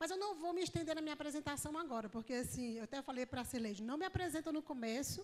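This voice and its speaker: The speech comes in a Piauí accent at a very fast pace, with hardly any pauses. Its intonation is lively and its loudness very even. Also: woman, high pitch for a woman. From Brazil, Piauí. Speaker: speaker at a conference. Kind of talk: lecture. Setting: stage with audience.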